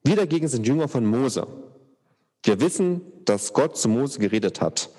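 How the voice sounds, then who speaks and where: A man's voice: medium pitch, animated, normal speed, warm tone, breathy edge, in a large hall. A man reading aloud, voicing a group of indignant religious leaders in an accusing, raised voice.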